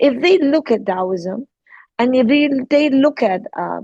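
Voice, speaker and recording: At a moderate pace, a woman talks with lively intonation in a somewhat breathy voice with a dark, mellow tone. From Hong Kong. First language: Cantonese. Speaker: art gallerist. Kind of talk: interview conversation.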